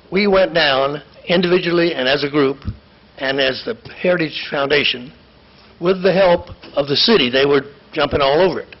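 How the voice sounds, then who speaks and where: Long, frequent pauses break up speech at a moderate pace with ordinary pitch variation, over noticeable background noise. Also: man, fairly high pitch for a man. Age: 70s. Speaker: public commenter, retired lawyer. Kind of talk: public comment at council meeting. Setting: city council chamber. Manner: halting, with false starts.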